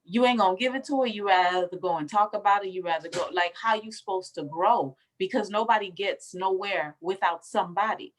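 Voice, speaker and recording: A woman's voice: medium pitch, fairly quick, hardly any pauses. A woman from the Bahamas talking as an interview guest, telling her story emphatically and calling the listener baby. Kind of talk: casual interview conversation.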